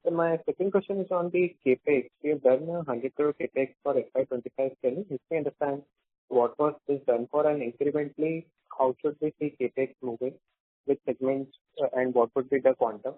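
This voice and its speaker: A man's voice: medium pitch, steady tone, fairly quick, no room sound. A man with an Indian accent, politely asking formal questions as an investment analyst on a conference call over a phone line. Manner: polite, deferential. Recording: dry, narrow phone line.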